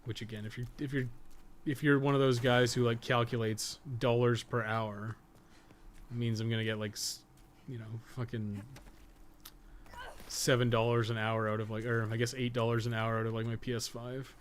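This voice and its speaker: A man's voice: medium pitch, level tone, normal speed, slight background noise. A man chatting casually as he livestreams a game, rambling, rephrasing his points and swearing casually. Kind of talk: casual chat while playing, answering viewers.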